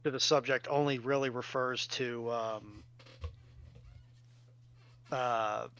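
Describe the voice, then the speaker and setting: A man's voice: medium pitch, steady tone, slow pace, a bit bright, clean tone, dull audio. A man chatting casually on a panel as a self-described layman, somewhat hesitant and self-deprecating. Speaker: panelist giving layman's takes. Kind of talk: casual chat.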